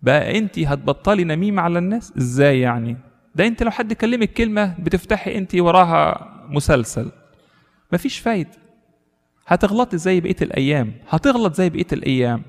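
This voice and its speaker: A man's voice: high voice, animated, fast talker, long reverb tail. A man voicing a devil who mockingly whispers doubts, with an Egyptian accent. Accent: Egyptian Arabic. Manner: mocking, discouraging.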